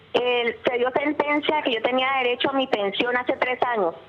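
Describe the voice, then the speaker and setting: Noticeable background noise under a woman's high voice with ordinary pitch variation. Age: 60s. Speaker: caller. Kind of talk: call-in question.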